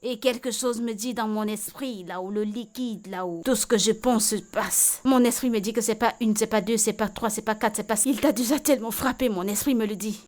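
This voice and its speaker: A woman's voice: a little high, a little fast, few pauses, a little mellow, natural voice. A woman dubbing a film role: an outspoken, caring woman who talks bluntly and repeats herself insistently. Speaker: Vicky, friend tending a beaten woman. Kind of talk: French film dub.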